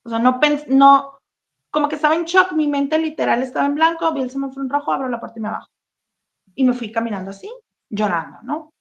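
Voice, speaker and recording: Woman, interview guest, halting testimony with fillers and restarts, slightly high voice, dull lo-fi audio. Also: vocal fry. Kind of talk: emotional personal testimony, casual talk. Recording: dull, lo-fi sound.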